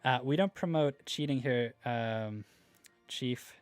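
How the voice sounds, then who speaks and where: A man's voice: medium pitch, slow, clean tone, soft background music. Laid-back Norwegian-accented male streamer. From Norway. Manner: laid-back, rambling, many fillers. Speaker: livestream host. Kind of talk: casual live-stream chat reading viewer comments.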